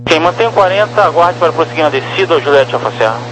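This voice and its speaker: Brazilian male air traffic controller, slightly high voice, procedural radio instructions, clearly noisy channel. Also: expressive, quick pace. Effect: aviation radio.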